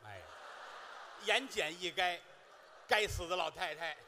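A man on a theater stage, playing straight man in comic crosstalk and firing back quick, mocking retorts. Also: high voice, creaky, pushed and bright, a little hiss or hum. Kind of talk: live comic crosstalk banter.

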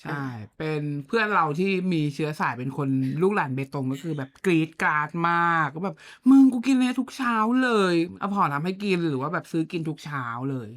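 A woman's voice: deep voice, a little fast, hardly any pauses, fairly bright tone. A woman co-hosting a podcast, chatting casually with blunt, slangy banter and playful comparisons. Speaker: podcast co-host. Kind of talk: casual chat.

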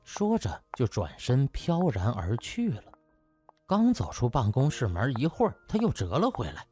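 A man's voice: medium pitch, huge pitch swings, normal speed, a little mellow, soft background music. A man narrating a comic novel as a scripted audiobook, in a dramatic storytelling style.

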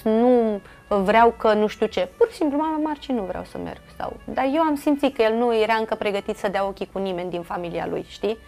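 A woman's voice: medium pitch, a little mellow. A middle-aged woman with a Romanian accent, an interview guest earnestly recounting a personal family story with many fillers and quoted dialogue.

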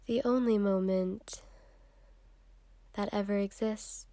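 A woman leads a guided meditation, soft, soothing and unhurried, with long pauses and occasional breathiness. Her voice is medium-pitched and steady, with no room sound.

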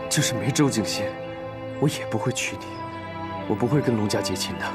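A man's voice: on the low side, brisk, lightly acted. An actor playing a proud, wounded young man in a period TV drama, refusing coldly and firmly. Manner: cold and firm, groaning in pain. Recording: distant voice under loud music.

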